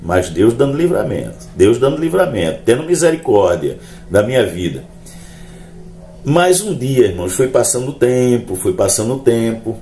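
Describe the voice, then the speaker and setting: A man telling his religious testimony to a congregation in an animated storytelling manner. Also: medium pitch, normal speed. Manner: animated storytelling, acts out dialogue in raised voices. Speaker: testimony speaker. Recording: roomy echo, faint music behind.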